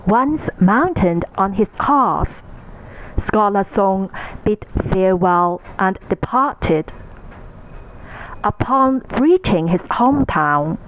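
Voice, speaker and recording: Very slow East Asian-accented woman storyteller. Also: mid-range voice, expressive, slight background noise, poor audio. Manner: measured, deliberate, formal storytelling. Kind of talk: scripted narration of a classical Chinese ghost tale.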